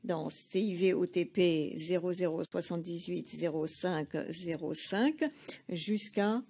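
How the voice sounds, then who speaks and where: Une femme interprète de tribunal, qui traduit en simultané avec un débit mesuré et des hésitations fréquentes. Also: female voice, lowish voice, dark tone. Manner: measured, hesitant with frequent fillers. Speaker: courtroom interpreter.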